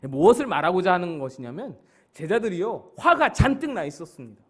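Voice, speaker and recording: A male pastor explaining scripture at a church Bible study, with a fairly high voice. His pitch swings widely as he presses key points, and he returns often to a patient, explanatory tone. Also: very animated, brisk, breathy edge. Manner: explanatory, rising emphatically on key words.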